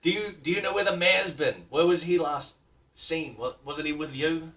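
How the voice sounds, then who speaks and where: A man's voice: a little high, normal speed, fairly bright tone. A man playing a tabletop game, speaking plainly and matter-of-factly. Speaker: player. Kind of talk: casual tabletop play. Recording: distant mic.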